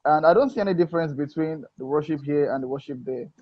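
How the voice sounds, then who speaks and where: A man from Africa, a gospel singer, talking in a casual interview with an earnest, preacherly manner, often pausing on "um" and "you know". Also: fairly high pitch, dry recording. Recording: muffled dull sound, dry.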